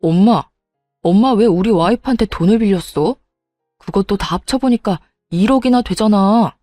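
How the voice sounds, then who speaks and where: A woman's voice: medium pitch, moderate pace, dark tone, no echo, studio quality, soft background music, natural voice. A woman voicing a hot-headed grown son who whines and blames his mother in a storybook reading. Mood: exasperated. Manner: whiny, exasperated.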